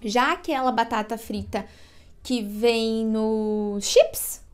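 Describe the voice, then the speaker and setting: A Brazilian woman with a Brazilian Portuguese accent gives a bilingual vocabulary lesson at an unhurried pace. Her voice sits fairly high, and she drills each word slowly, asking the listener to repeat after her. Between the drills she adds relaxed, chatty explanations. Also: clean tone. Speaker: English teacher.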